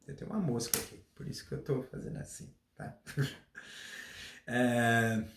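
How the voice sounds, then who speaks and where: A man's voice: medium pitch, normal speed, vocal fry, echoey room, noisy background. A Brazilian man hosting a casual solo talk, rambling with restarts, a slight cough. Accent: Brazilian Portuguese. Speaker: podcast host.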